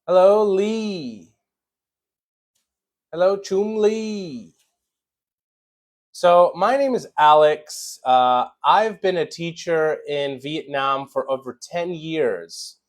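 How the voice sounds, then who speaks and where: A man's voice: on the high side, very slow, pauses often. An American man from Chicago, an English teacher, chatting casually on a live stream and greeting viewers by name with many fillers. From Chicago, USA.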